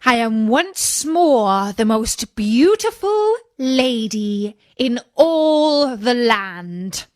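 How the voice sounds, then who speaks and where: A woman's voice: fairly high pitch, very animated, very slow, few pauses, a little mellow, no room sound, clean studio sound, exaggerated voice. Woman doing a wheedling wicked queen in disguise. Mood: gloating. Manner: wheedling, sing-song sales cries.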